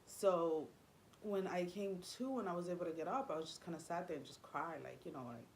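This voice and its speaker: A woman's voice: lowish voice, fairly quick, slight background noise, low-quality recording. A young woman, a native Spanish speaker, telling a personal story in a rambling, confiding way with many fillers and restarts. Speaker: vlogger.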